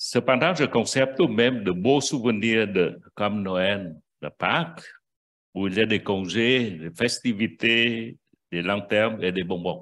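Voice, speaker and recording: Over a quiet background, a man with a Vietnamese accent talks at a very slow pace, his fairly low voice carrying lively intonation. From southern Vietnam. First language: Vietnamese (speaking French). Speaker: church member. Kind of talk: testimony. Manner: halting.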